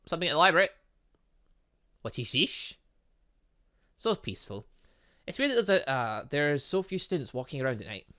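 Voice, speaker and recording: A man giving excitable let's-play commentary, rambling along with playful, exclamatory asides. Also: fairly high pitch, moderate pace, pauses often. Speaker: gaming channel host.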